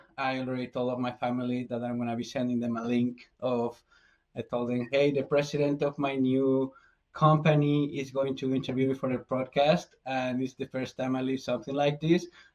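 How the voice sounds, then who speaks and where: A man with a Spanish accent speaks at a fairly quick pace in a monotone, flat intonation. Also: medium pitch for a man. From Mexico. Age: 20s. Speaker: tech apprentice. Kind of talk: interview. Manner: halting.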